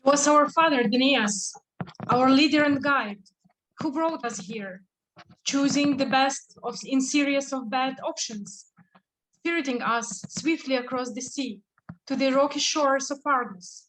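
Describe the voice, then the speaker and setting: A woman's voice: sits high, measured pace, a bit bright, low-quality recording. A woman acting an earnest suppliant daughter pleading for refuge in a Greek tragedy reading. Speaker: actor.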